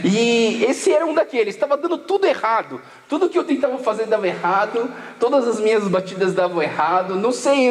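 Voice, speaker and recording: Brazilian pastor guy at a youth camp, joking around with slang, sounds like a big roomy hall. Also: very high-pitched. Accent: Brazilian Portuguese. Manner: casual joking storytelling with slang. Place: large hall at a church camp. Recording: echoey hall with long reverb.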